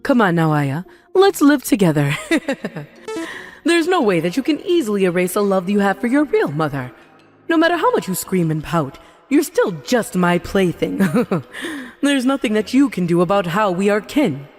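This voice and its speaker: A woman's voice: medium pitch, sing-song, moderate pace, a little mellow. A woman voicing a greedy, manipulative middle-aged mother in a comic dub, with a theatrical, wheedling way of talking. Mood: gloating. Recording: voice over background music.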